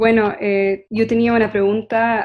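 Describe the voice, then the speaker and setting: A woman's medium-pitched voice with fairly even intonation at a very slow pace. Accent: American. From United States. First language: English (speaking Spanish). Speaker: podcast co-host. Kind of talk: interview.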